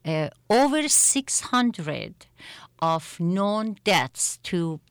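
A middle-aged woman from Iran answers interview questions in a deliberate, halting way, often repeating words as she restarts her sentences. Her voice sits low and her pace is slow. The recording is dry, with no room sound. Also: big pitch swings, no room sound. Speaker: guest, attorney and activist.

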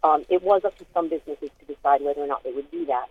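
Husky-voiced woman caller over the phone. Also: low-pitched, rapid-fire. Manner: firm, corrective. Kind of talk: call-in radio comment. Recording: tinny phone line.

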